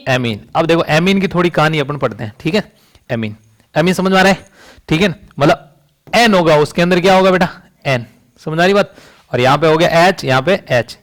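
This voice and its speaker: Man, chemistry teacher, classroom lecture, higher voice, rhetorical questions. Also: normal speed, a bit bright. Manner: rhetorical questions, frequent "समझ रही बात?".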